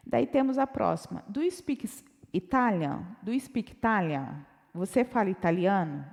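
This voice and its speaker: A Brazilian woman teaching English in an online lesson, repeating phrases slowly and carefully in a Brazilian Portuguese accent. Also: medium pitch, expressive, vocal fry, darkish tone, long reverb tail. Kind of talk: online language lesson with slides.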